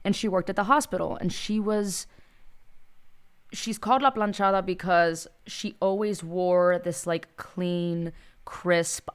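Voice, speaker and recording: A woman with a clear, smooth voice that sits a little low. She co-hosts a casual comedy podcast, telling stories playfully and irreverently and slipping Spanish slang into her English. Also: steady tone, measured pace. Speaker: podcast co-host. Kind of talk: casual comedic storytelling chat.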